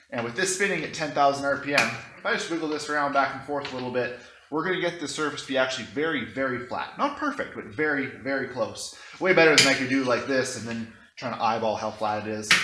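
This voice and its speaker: A man rattles along at a very fast pace with noticeable noise in the background. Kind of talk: tutorial. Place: workshop. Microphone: phone near.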